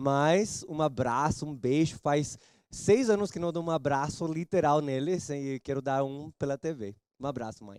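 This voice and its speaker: Recorded dry and close with no echo, a man talks fairly slowly at a fairly high pitch with ordinary pitch variation. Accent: Mexican. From Mexico. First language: Spanish (speaking Portuguese). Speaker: teacher. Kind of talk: TV talk show interview. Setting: TV studio with teen audience. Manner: halting.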